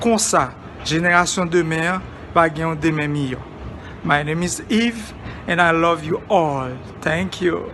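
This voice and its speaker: The speaker has a Haitian accent and talks at a fairly slow pace with long, frequent pauses. Noticeable background noise runs behind the voice. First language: Haitian Creole. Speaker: poet. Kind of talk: poetry reading.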